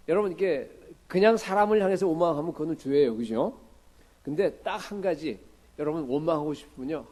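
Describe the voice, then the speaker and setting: A male pastor giving a conversational sermon, often asking the congregation questions and moving between loud and quiet. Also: a little high, rough recording. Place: church sanctuary.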